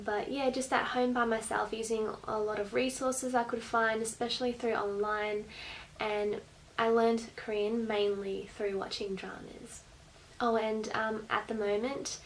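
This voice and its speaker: A young Australian woman talks to the camera in a casual vlog style, explaining as she goes. Her pitch sits in the middle for a woman. She is recorded in a small bedroom, with faint noise behind her voice. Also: low-quality recording. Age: late teens to young adult. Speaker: vlogger. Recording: faint background room noise.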